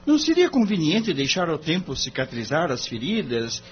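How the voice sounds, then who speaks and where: A man playing a gentle, earnest young lawyer who speaks politely and thoughtfully, with hesitant fillers. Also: on the high side, wildly swooping pitch, normal speed, dull audio. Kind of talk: audio drama acting.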